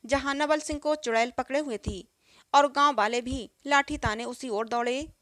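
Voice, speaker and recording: A woman with a high voice narrates a moral story, recorded close and dry. She reads every character in one even storytelling voice. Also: dry recording.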